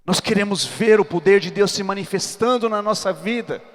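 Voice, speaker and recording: A man's voice: high-pitched, moderate pace. Earnest male preacher in a reverberant hall. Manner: earnest, emphatic preaching to a congregation. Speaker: preacher giving a testimony. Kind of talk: sermon testimony at a church congress. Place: large church hall.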